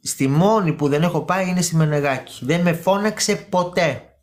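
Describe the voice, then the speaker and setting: Her voice sits fairly low with a somewhat dark tone. She hosts a laid-back live stream, gossiping and chatting with viewers, addressing them by name and repeating words to stress them.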